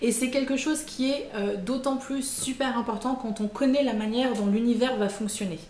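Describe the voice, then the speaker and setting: A woman's voice: fairly high pitch, fairly even intonation, normal speed, darkish tone. A woman talking casually to her viewers about personal development, chatty and full of fillers and self-mocking asides. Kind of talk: casual spoken explainer to camera. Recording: echoey room with faint ambient noise.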